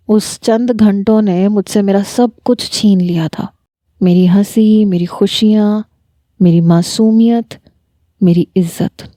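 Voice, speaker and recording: A woman narrates a romance story in the first person with soft, emotional delivery. Her voice is mellow and warm. The recording is dry and close. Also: mid-range voice, dry recording.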